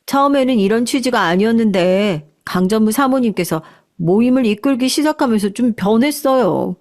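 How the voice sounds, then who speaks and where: A tired, resigned colleague's wife, voiced by a woman who confides quietly, in a slightly high voice. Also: animated, normal speed. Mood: confiding. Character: weary resigned office worker's wife.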